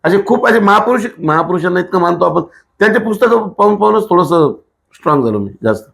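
A man's voice: high voice, lively intonation, quick pace, gravelly, fairly bright tone. A man, an activist answering in a casual interview in a blunt, emphatic way with rhetorical questions. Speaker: political activist, interview guest.

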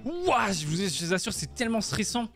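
A young man doing excitable, slangy commentary on a parkour game, swinging from yelps to mutters as he talks to his viewers. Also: high-pitched, a little fast, soft background music. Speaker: gaming youtuber. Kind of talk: Minecraft parkour let's-play commentary.

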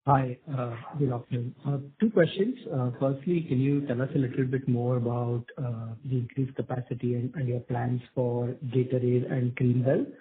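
A man's voice: medium pitch, steady tone, moderate pace, few pauses. A man, an analyst asking questions on an earnings call, hesitant and searching for his words. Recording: narrow, tinny phone line.

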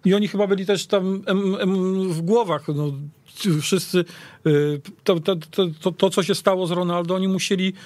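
A man giving his opinions as a football pundit in casual discussion, with halting, emphatic, repetitive phrasing. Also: high-pitched, steady tone, darkish tone, no room sound.

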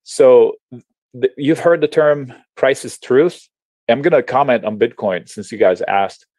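A man from Lebanon, an options trading educator, explaining charts on a video call in a chatty, animated way with slang and frequent restarts. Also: mid-range voice, a little slow, dry recording. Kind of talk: casual webinar explanation while sharing charts.

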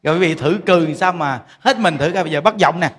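A man's voice: fairly high pitch, quick pace. A man giving a folksy Dharma talk to a temple congregation, coaxing them with questions. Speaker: Buddhist monk teaching. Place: large temple hall with congregation. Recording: long hall reverb, faint noise.

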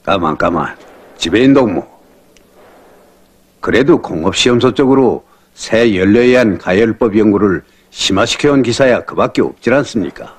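Husky older North Korean man. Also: fairly low pitch, lively intonation, moderate pace. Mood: grave. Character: fatherly older male party secretary, calm veteran. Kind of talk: film drama acting.

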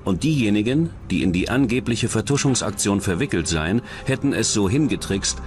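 A man's voice: fairly low pitch, lively intonation, brisk. A man reading scripted narration for a true-crime documentary. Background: background music.

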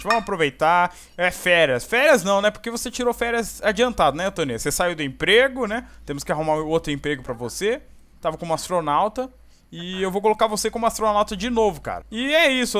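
Um jovem brasileiro narrando uma partida com gírias, bronqueando os personagens com empolgação. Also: male voice, high voice. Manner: excitable, scolding the characters, slangy. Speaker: gameplay host. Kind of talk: casual gameplay commentary.

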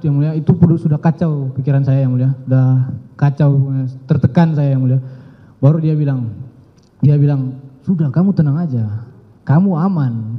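A young man giving halting, deferential testimony in court, repeatedly addressing the judge. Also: fairly high pitch. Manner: halting, deferential, often says "Yang Mulia". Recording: muffled broadcast audio with long courtroom reverb.

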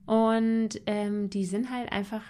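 A woman's voice: mid-range voice, flat delivery, slow, mellow. A woman talking casually and enthusiastically as a musician guest in a podcast interview, in informal language.

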